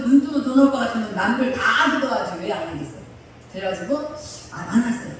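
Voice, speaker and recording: A woman pastor preaches in a storytelling style, animated and full of laughter, slipping into the voices of the people she describes. Her voice echoes heavily around the church sanctuary. The mic sits well away from her, with faint noise underneath. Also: on the high side, far from the mic. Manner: animated storyteller, often laughing and acting out quotes. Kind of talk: sermon with personal stories.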